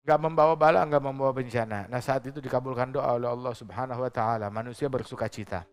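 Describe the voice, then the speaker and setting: A man's voice: mid-range voice, fairly even intonation, fast, clean tone. A male preacher giving a religious lecture to a congregation in a mosque, speaking emphatically and asking rhetorical questions with joking asides. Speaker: Islamic preacher.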